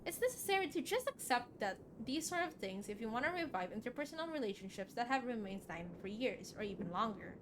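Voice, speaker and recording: High-pitched, animated woman game streamer. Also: fast talker, few pauses, background noise. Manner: animated, reacts and questions aloud as she reads. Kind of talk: livestream read-aloud of a visual novel with casual asides. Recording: background music under the voice. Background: music.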